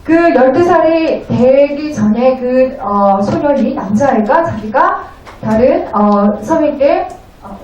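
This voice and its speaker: A woman interpreting a lecture phrase by phrase in a polite, formal, somewhat halting way. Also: high voice, lively intonation, lo-fi sound, a crowd in the background. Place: echoey indoor venue. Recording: very echoey, distant room.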